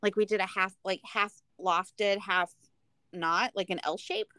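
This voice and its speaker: A woman talks as a podcast co-host, chatty and playful. Her pitch is average for a woman. The recording is very dry, free of room sound. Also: steady tone, measured pace, sharp tone, no echo. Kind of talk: casual chat and read sponsor spots.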